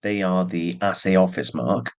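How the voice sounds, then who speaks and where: A man with a low, deep voice talks casually through a jewelry haul. He is stuffy with allergies and keeps a chatty, plain manner with small asides. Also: steady tone, moderate pace. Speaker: antique jewelry seller. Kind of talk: casual show-and-tell narration.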